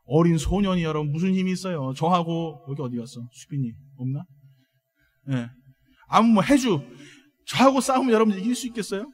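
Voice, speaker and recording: A man pastor preaching a sermon, emphatic, calling on the congregation to respond and moving between soft words and loud proclamations. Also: sits high, lively intonation, fairly quick, slightly rough.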